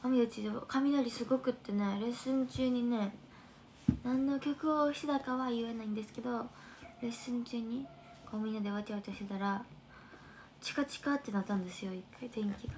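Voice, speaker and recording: A woman with a Kansai accent chatting casually on a livestream, reading viewer comments in a soft, chatty way that often sinks to a near whisper. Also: on the high side, fairly quick, a little hiss or hum. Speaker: idol trainee livestreamer.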